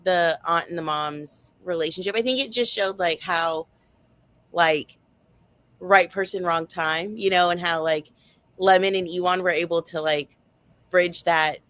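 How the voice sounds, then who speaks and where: Woman, slightly low voice, casual book club chat, rambling, conversational filler. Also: steady tone, measured pace, a bit bright, no echo. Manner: rambling, heavy use of like and you know.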